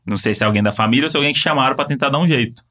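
Fast-talking Brazilian man telling a story. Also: mid-range voice. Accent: Brazilian Portuguese. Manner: rapid, animated storyteller with many fillers. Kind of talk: casual storytelling chat.

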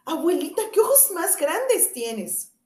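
A woman voicing a sweet, trusting little girl in a red hood for a storybook tale, in a high childlike voice. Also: very animated, takes it slowly, a little mellow, echoey room, full character voice. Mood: wondering. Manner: high, childlike and wide-eyed.

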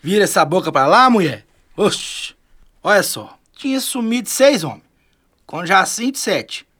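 A man's voice: high voice, sing-song, measured pace, bright, forceful tone, exaggerated voice. An actor playing a superstitious, fretful riverside man in a radio drama, speaking colloquially. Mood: fearful, insistent.

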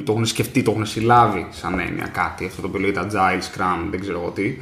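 A man's voice: deep voice, fairly even intonation, gravelly, a bit bright. A man co-hosting a podcast, talking things through in a hesitant, thoughtful way. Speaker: podcast co-host. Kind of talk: casual chat. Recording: echoey room.

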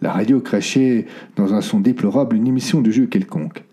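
A man narrating a novel in an expressive, dramatic storytelling manner. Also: fairly low pitch, brisk. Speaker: audiobook narrator. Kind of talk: scripted narration.

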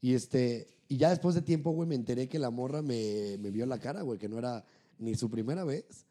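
A young Mexican man with a mid-range, mellow, dark-toned voice tells personal stories in relaxed podcast conversation. He slips into other people's voices as he acts out their lines. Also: medium pitch, brisk. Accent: Mexican Spanish. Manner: animated storyteller who acts out voices. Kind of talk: casual chat.

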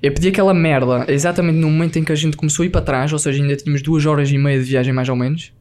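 A man telling a lively travel story on a casual podcast, peppered with slang and English words. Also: a little high, very fast.

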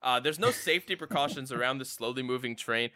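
A man hosting a casual podcast discussion, ranting in an animated, exasperated way with lots of "like" fillers. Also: medium pitch, fast talker, dry recording, clean studio sound. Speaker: podcast host.

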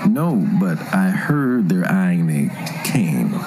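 Give this one to a shady salesman, played by a man in an audio comedy. His voice sits very low but swings about in lively swoops, sly and insinuating, with some noise behind it. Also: slow, exaggerated voice. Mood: cagey, ominous. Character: shady, wary wheelchair salesman with cryptic warnings. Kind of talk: comedic audio drama acting.

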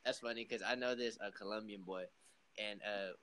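A man's voice: lowish voice, fairly even intonation, brisk, pushed and bright, slight background noise. Slangy, playful young man interviewing. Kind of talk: casual chat.

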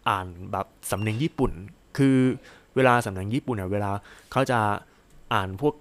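A man's voice: on the low side, brisk, no room sound. A man hosting his own solo podcast, talking casually in a rambling, chatty way with lots of fillers and exclamations. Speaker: podcast host.

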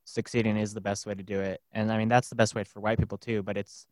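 Low-voiced young man, dry sound. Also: level tone, fast talker, darkish tone, no echo. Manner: reflective, thinks aloud with fillers. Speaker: interviewer. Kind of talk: casual interview.

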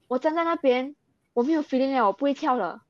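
In a candid interview, a young Malaysian athlete talks earnestly in Malaysian-accented Mandarin, mixing in English words. She sits high in pitch, sounds animated and talks fast; the audio has no echo but sounds dull.

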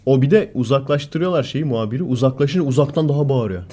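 A man co-hosting a casual podcast chat, telling stories animatedly and acting out the loud lines of the people in them. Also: medium pitch, fast talker, slightly rough. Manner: animated storyteller, acts out quoted shouting. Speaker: podcast co-host.

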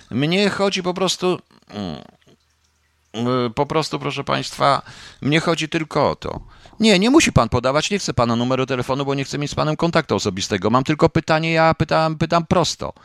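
A man's voice: medium pitch, fairly bright tone, dry recording. A middle-aged man hosts a live online show, combative and swearing now and then as he presses his chatters with the same question again and again. His voice swings widely up and down, and the sound is close and dry with no room around it. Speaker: online radio host reading a live chat. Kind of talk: casual live broadcast talk answering chat comments.

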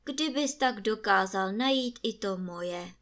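A dignified, sorrowful fairy-tale king, as a woman reader puts him on, speaking slowly and solemnly. His voice sits a little lower than hers. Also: expressive, fairly bright tone, close to an everyday voice.

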